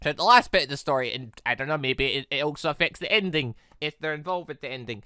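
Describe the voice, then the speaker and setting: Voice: mid-range voice, fast, bright, forceful tone, smooth, no room sound, studio quality. A gaming video host giving casual, rambling commentary, chatty and digressive, often doubling back to correct what was just said.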